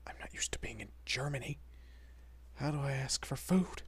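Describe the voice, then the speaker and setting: In a romantic audio roleplay, a man voices a timid, jittery young vampire dad, stammering gently and frequently sinking almost to a whisper. His pitch sits in the middle, his pace is ordinary, and there's a breathy edge to his voice.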